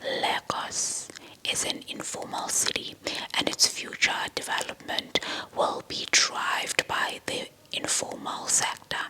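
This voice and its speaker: Casting: female ASMR narrator, breathy all-whisper delivery, very sharp and bright, repeats phrases deliberately. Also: rough recording. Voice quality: breathy, fully unvoiced whisper. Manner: slow, deliberate, often repeating words and phrases. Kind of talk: whispered ASMR lecture, reading informational text.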